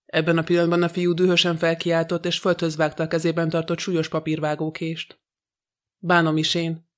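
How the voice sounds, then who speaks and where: A male audiobook narrator reading steadily and without hurry. His pitch barely moves. The voice sits a little high for a man. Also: completely flat delivery. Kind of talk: scripted narration.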